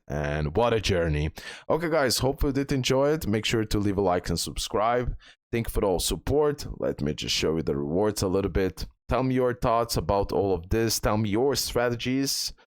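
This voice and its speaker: Male gaming creator, lowish voice, casual walkthrough commentary, repeats himself for emphasis, close dry sound. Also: dry recording.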